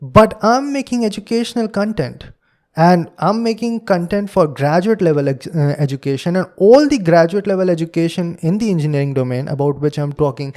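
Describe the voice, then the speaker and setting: Podcast host, young man, Indian English accent, warm tone, earnest lecturing delivery. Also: on the high side, lively intonation, fairly quick. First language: Hindi. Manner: earnest, lecturing, acts out quotes in a raised voice. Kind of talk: solo podcast monologue.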